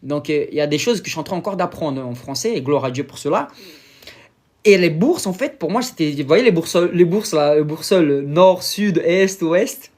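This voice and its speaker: A man from Brazil, a native Portuguese speaker with a Brazilian accent, giving an informal sermon in halting French with many fillers and pauses to search for words. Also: fairly high pitch, lively intonation, a little mellow. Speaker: preacher.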